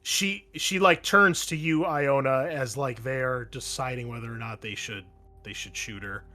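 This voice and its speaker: A man's voice: mid-range voice, measured pace, sharp tone. A man running a tabletop roleplaying game, explaining action and rules in a casual, profane way. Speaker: game master.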